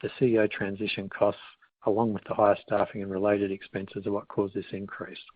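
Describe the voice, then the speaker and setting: Male finance executive, flat and lowish delivery, formal scripted investor-call read. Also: fairly quick. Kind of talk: scripted earnings call presentation. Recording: boxy phone-like line with room echo.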